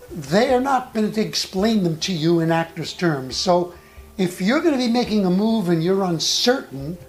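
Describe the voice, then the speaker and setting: With a medium-pitched voice, the acting coach offers instruction alongside stories from his own life. He speaks in a measured way, leaving thoughtful gaps between ideas.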